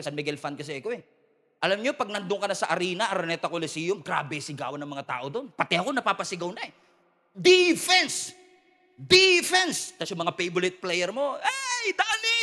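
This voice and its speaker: A man preaching a lively sermon to his church. He mixes Tagalog and English, jokes with the crowd and calls for amens. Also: high voice. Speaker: pastor. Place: large church hall with a live congregation. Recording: long hall reverb from a church.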